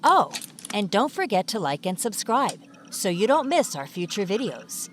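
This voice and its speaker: A woman's voice: mid-range voice, big pitch swings, normal speed, slight background noise. A woman reading scripted narration for an online video as a voice-over. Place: close, dry voice-over recording.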